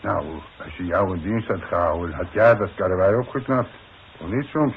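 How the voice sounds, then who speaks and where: A man's voice: sits low, animated, normal speed. An actor playing a plain-spoken, worried demolition foreman in a 1960s radio play, talking in blunt, colloquial working-man's language. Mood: pressing. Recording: muffled, noisy 1960s radio recording.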